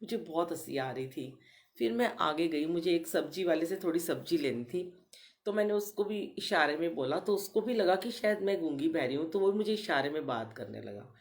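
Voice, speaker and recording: A middle-aged woman giving a gentle devotional talk to her congregation, telling personal stories. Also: low voice, animated, moderate pace. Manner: gentle storytelling, addresses listeners as "sangat ji". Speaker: spiritual speaker addressing congregation.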